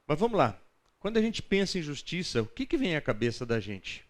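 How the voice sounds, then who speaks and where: Teaching Bible class with a conversational, didactic style, this Brazilian man often quizzes his listeners. His voice is a little high, fairly quick, and swings widely in pitch.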